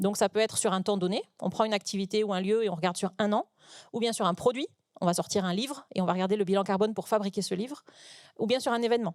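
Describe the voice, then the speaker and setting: On a very clean recording with a silent background, a woman talks at a very fast pace in a medium pitch with ordinary pitch variation. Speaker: eco-advisor for the culture sector. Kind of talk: lecture.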